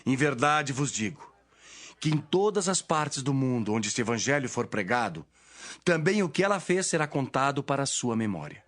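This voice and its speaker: A man playing Jesus in a dramatised Bible reading, a solemn, authoritative teacher speaking in measured declamation. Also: medium pitch, very animated, fairly bright tone. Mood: solemn, instructing.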